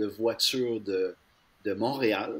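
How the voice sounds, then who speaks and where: A man speaks with a Quebec accent. His pitch is fairly low, with ordinary pitch variation. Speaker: pastor. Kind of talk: testimony. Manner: hesitant, many fillers.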